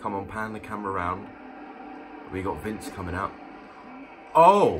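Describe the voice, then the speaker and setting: Faint music plays behind a man with a fairly low voice. He speaks at a moderate pace with ordinary pitch variation. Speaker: wrestling YouTuber. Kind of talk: reaction commentary. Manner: low-energy, subdued. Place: home room. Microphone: phone near.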